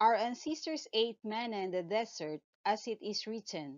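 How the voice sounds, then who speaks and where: An ordinary speaking voice, a woman's, fairly high in pitch, moves at a fairly slow pace with lively intonation. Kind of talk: liturgical reading of scripture and psalm. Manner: solemn, measured, even-paced; reverent, formal.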